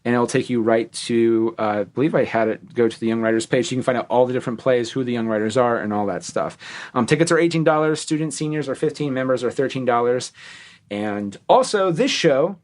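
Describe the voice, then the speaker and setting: A man's voice: medium pitch, fairly quick. A man hosts a casual podcast with a mid-range voice. He talks in a loose, rambling way, making jokes and fixing his own wording as he goes. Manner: rambling, self-correcting, jokey. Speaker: podcast host. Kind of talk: casual podcast chat and sponsor reads.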